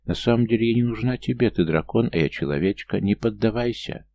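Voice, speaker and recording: A man reading an audiobook voices an anxious, earnest young woman in a soft, pleading way. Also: fairly low pitch, brisk, voice pushed up, close to an everyday voice.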